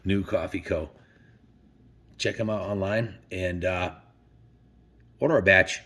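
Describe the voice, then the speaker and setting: A man with a fairly low-pitched voice hosts a casual story time. He is folksy and enthusiastic, talking directly to his audience whether chatting or reading aloud. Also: slow, sharp tone. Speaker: host of a story time show.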